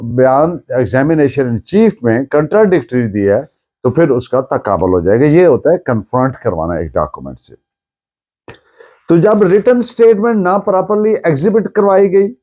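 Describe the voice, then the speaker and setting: A man with a Pakistani accent lecturing as a law teacher, explaining deliberately and often rephrasing his points. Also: mid-range voice, mellow. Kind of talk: lecture mixing Urdu with English legal terms.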